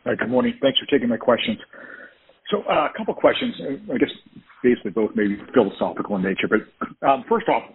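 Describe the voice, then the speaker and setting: Male analyst phoning in, polite questioning, very varied intonation and gravelly fry, slightly noisy telephone audio. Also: medium pitch, expressive, quick pace. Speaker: financial analyst caller. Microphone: phone. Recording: thin phone line, faint noise.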